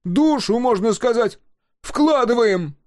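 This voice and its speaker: A man's voice: mid-range voice, expressive, normal speed, darkish tone, no room sound, studio quality, voice pushed up, natural voice. A man voicing a naive, anxious woodcarver who calls out plaintively and bewildered, in an audiobook. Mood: plaintive, alarmed. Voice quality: hoarse. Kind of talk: audiobook character voice.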